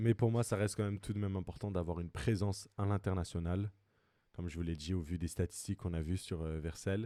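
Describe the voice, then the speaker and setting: A man talks at a very fast pace in a very deep, low pitch with a dark, mellow tone, in a very clean recording with a silent background. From France. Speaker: crypto content creator. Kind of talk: casual vlog monologue. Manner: casual, many hesitations and restarts.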